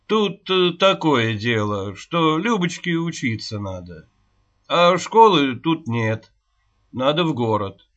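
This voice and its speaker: Guy doing an eager preachy commission man, raised pitch, lo-fi. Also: big pitch swings, slow pace, a bit bright, exaggerated voice. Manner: eager, earnest. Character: eager zealous male commission member. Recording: dull lo-fi recording.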